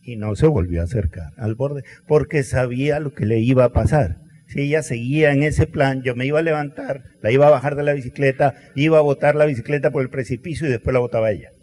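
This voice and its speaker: A middle-aged man preaching a sermon, telling stories with acted quotes and dramatic pauses. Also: mid-range voice, darkish tone, a little hiss or hum. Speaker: pastor. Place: large church hall. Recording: long church hall reverb.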